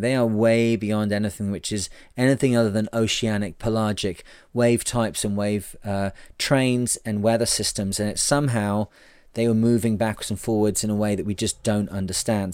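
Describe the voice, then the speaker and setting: An ordinary speaking voice from a man, fairly low in pitch with fairly even intonation, in a very clean recording with a silent background. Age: 40s. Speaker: sailing podcast host. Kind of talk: solo educational talk.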